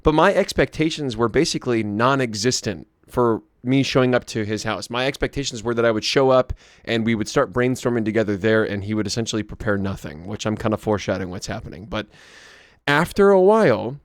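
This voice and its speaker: A hoarse young man vlogging, telling a rambling story to camera with many restarts and asides. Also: mid-range voice, fairly quick, no echo, studio quality.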